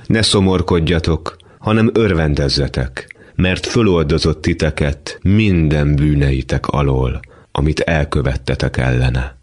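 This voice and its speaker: A brooding young man speaks low and subdued, voiced by the story's male reader. The voice is extremely deep. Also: darkish tone. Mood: solemn.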